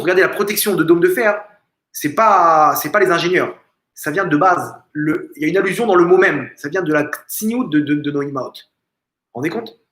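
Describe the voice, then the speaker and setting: A rabbi giving an informal religious lesson in a family home, asking rhetorical questions and repeating phrases with emphasis. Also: male voice, fairly high pitch, fairly bright tone. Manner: frequent restarts and stumbles. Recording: echoey room.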